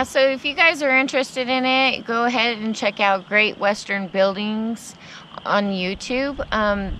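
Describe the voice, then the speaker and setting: A woman's voice: medium pitch, a bit bright. A young woman in casual, upbeat chat, recorded outdoors by a camera a few meters away. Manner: upbeat, finishes her partner's sentences. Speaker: homesteading vlogger. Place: sunny yard outdoors, seated in camp chairs. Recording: noisy outdoor camera audio.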